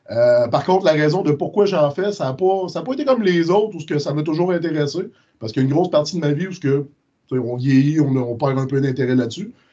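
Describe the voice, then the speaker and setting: In a Quebec accent, a man speaks very fast at a fairly high pitch, his tone dark and mellow, with ordinary pitch variation. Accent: Québécois French. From Quebec, Quebec City area. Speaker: pro wrestler. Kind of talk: interview. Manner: hesitant, many fillers.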